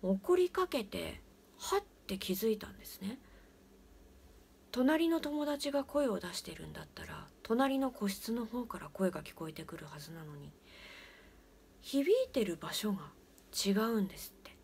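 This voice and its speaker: A woman's voice: medium pitch, lively intonation, normal speed, gravelly, husky. Woman whispering a ghost story. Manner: hushed, often whispering.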